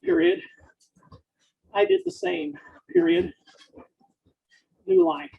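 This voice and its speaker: In narrow, tinny audio, an extremely high-pitched, husky and gravelly voice dictates story text with fairly even intonation. The phrases are short and hesitant, and every punctuation mark is read out.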